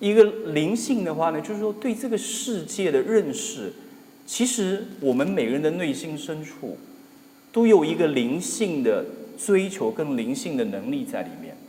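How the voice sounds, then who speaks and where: A man's high voice with very wide pitch swings at a moderate pace, with audible room echo and noticeable background noise. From China, Zhejiang (Shaoxing Shangyu). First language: Wu Chinese (Shaoxing dialect) (speaking Chinese). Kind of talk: personal testimony talk. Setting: hall with live audience and microphone. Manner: hesitant, many fillers.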